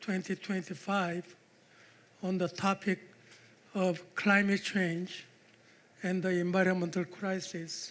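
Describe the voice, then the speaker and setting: Speaking in a Korean accent, a man uses a high pitch and monotone, flat intonation at a fairly slow pace. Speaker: professor emeritus, climate scientist. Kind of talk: conference presentation.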